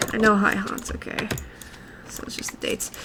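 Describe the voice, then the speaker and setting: A woman speaks over noticeable background noise. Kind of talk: casual let's play commentary.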